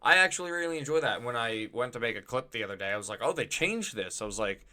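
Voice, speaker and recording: A man's voice: medium pitch, animated, racing, sharp tone, clean tone. A man hosting a podcast, chatting casually and enthusiastically, with the odd swear word. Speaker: podcast host. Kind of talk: casual chat.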